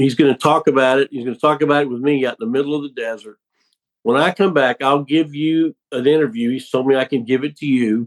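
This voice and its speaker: A man with an American accent talks very fast at a fairly high pitch with fairly even intonation, in a dry, close sound with no echo. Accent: hillbilly. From Florida. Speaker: TV sports producer and author. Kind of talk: interview. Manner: rambling, halting with many restarts.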